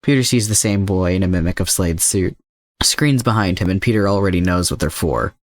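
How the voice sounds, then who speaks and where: A man narrates a scripted adventure story as a reader of fan fiction. His voice sits low in pitch, and the sound is very dry, with no room around it. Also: a little fast, dry recording.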